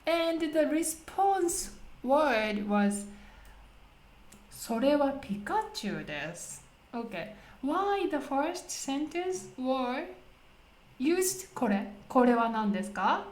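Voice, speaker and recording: A woman with a high voice and a Japanese accent hosts a conversational language lesson. She explains step by step and poses questions along the way. The sound is echoey and roomy. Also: big pitch swings, takes it slowly. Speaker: host leading English conversation practice. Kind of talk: casual explanatory lesson talk.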